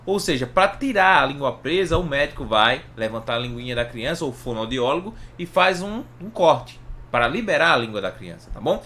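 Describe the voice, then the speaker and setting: Animated, high-pitched Brazilian man teaching. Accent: Brazilian Portuguese. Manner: didactic, asks and answers own questions, frequent check-in tags. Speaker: health educator, online presenter. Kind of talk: informal anatomy lesson to camera.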